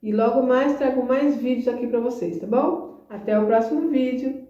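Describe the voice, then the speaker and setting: A woman's voice: high voice, moderate pace, warm tone. Earnest Brazilian woman in an echoey room. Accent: Brazilian Portuguese. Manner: earnest, coaxing, asks the viewer questions. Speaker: relationship advice vlogger. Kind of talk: casual advice talk to camera. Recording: echoey, distant, dull sound.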